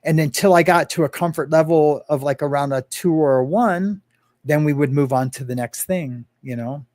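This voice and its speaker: A man speaking as an interview guest in casual talk, earnest and open, halting with many fillers and restarts. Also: a little high, a little mellow, no echo, studio quality. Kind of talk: casual interview talk about personal experience.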